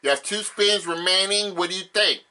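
A man hosting a game show, calling out prizes and totals like a booming prize announcer. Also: a little fast, bright, forceful tone. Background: game show music.

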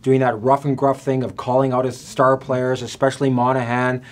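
A man's voice: medium pitch, completely flat delivery, normal speed. A middle-aged male sports columnist giving analysis on a studio panel, thoughtful and hedging with fillers. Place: studio with panel seated on stools.

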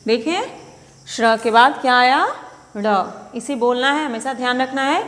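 A woman with an Indian accent teaches the alphabet to nursery children, naming each letter with slow, patient care. Her voice sits slightly high. The sound carries a long hall echo. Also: a bit bright.

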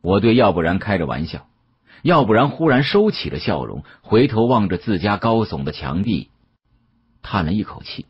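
A male audiobook narrator tells a mystery in the first person. His voice is deep and very raspy, with lively, dramatic intonation. The recording is slightly dull. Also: normal speed.

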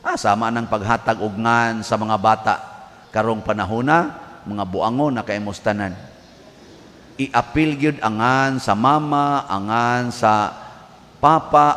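A man with a Cebuano accent, a priest giving a humorous homily, telling jokes in an animated storyteller's way. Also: mid-range voice. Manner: joking storyteller, animated asides. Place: large church. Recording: distant voice with long hall reverb, faint background noise.

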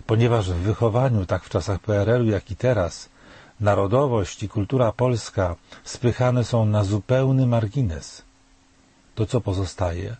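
Older male commentator, dark and husky, measured and solemn delivery. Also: fairly low pitch, no room sound. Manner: measured, grave, rhetorical questions. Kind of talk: scripted spoken commentary.

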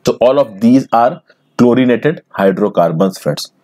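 Man explaining a lesson, mellow voice. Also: medium pitch, expressive, a little slow. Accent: Indian English. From India. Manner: explanatory, repeatedly addresses listeners as friends. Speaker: teacher. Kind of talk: recorded screen lecture.

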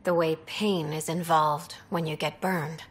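A haunted young alien survivor. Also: female voice, sits low, fairly even intonation, measured pace. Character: young asari refugee officer, shaken and grieving. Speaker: junior ark crew survivor. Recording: game audio with soft music behind.

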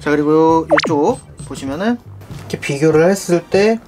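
A young man presents a product test with a very lively, varied pitch. He talks to viewers in a polite, conversational way, and music plays behind him. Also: moderate pace. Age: young adult. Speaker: product review video host. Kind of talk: casual product test commentary.

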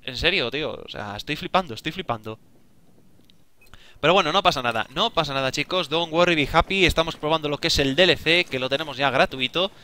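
Excitable guy from commentating his game, kinda high-pitched, talks to himself a lot. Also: fast. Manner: excitable, talks to himself, swears and exclaims often. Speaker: gaming video creator. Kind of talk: casual gameplay commentary.

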